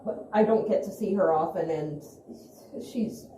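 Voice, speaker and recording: A woman playing an awkward, hesitant young amateur investigator who talks haltingly in a found-footage vlog. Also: fairly low pitch, mellow, close to an everyday voice. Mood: hesitant, earnest. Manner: halting, hesitant, full of restarts. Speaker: video host and interviewer. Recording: roomy echo, faint noise, handheld camera.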